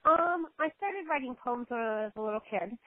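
A woman calling in as a podcast guest, her voice squeezed through a tinny phone line. She talks in a friendly, giggly way, pausing with ums and likes. The sound is dry, with no room around it. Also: a little high, animated, no room sound. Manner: giggly, friendly, with hesitant fillers. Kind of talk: casual interview chat.

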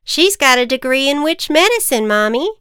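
A woman's voice: sits high, moderate pace, no echo, studio quality, voice pushed up. A woman voicing an eager little farm girl in a children's storybook. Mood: excited. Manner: eager, excited.

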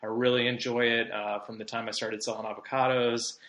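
A man's voice: mid-range voice, little pitch movement, a little fast, fairly bright tone, echoey room. A man of about thirty from Southern California, hosting a podcast in a chatty, rambling monologue with many fillers. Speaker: podcast host. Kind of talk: casual monologue.

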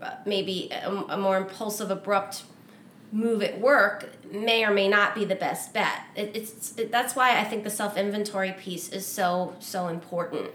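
A woman's voice: medium pitch, moderate pace, a bit bright. A woman co-hosting a podcast, chatting casually in a thoughtful way and laughing easily. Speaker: podcast co-host. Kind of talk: casual chat. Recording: echoey room, faint hiss.

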